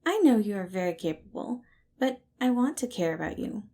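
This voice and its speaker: A woman voicing a soft, sweet, eager and affectionate man in a storybook reading. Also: medium pitch, sing-song, moderate pace, slight background noise, pitched above the performer's own voice. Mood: tender, earnest. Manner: gushing, tender, affectionate.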